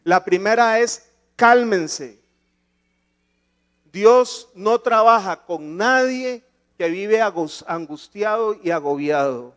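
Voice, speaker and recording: A man's voice: high voice, animated, takes it slowly, fairly bright tone, clear, resonant tone. A man pastor preaching a sermon in a church, asking rhetorical questions and rising to emphatic points.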